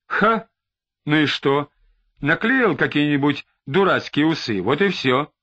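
Brief: fretful, sniveling male suspect, read by a male narrator, lively pitch. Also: unhurried, lo-fi sound, heavily acted. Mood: irritable. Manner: sniveling and agitated. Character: whining, tearful, panicky middle-aged male suspect.

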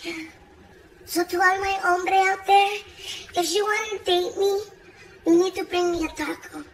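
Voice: very high voice, fairly even intonation, measured pace, fairly bright tone, a little hiss or hum, heavily acted. A performer voicing a boastful, dramatic Latina woman who mixes Spanish words into English and keeps laughing. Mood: dramatic gossip. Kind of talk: comic character monologue.

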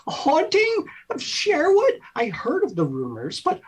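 A woman's voice: high-pitched, huge pitch swings, measured pace, voice pushed up, heavily acted. A jittery young adventure leader, played by a woman, stammers through her words in a raised, anxious voice. A tabletop game figure, unsure of herself. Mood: nervous. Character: nervous young female junior adventure leader.

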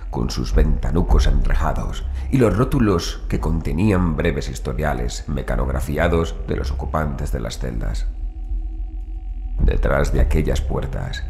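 A man narrating a horror audiobook, reading scripted prose in a measured, formal way. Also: rumbling low, gravelly, a little mellow.

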